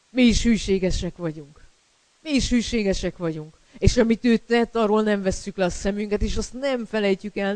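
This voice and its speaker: A man's voice: high-pitched, a little mellow, dry recording, low-quality recording. A man preaching a sermon, emphatic and repeating key words, with fillers between phrases.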